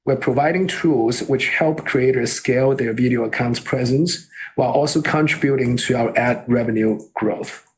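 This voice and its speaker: A man reading a scripted earnings call presentation as a company executive, in a formal and measured way. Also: mid-range voice, poor audio.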